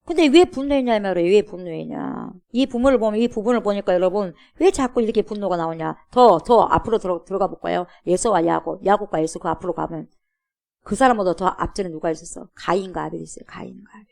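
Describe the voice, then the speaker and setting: In a church, a woman pastor preaches with emphatic, insistent force, repeatedly turning to the congregation with rhetorical questions. Her voice is mid-pitched for a woman, gravelly and somewhat dark, and she talks fast.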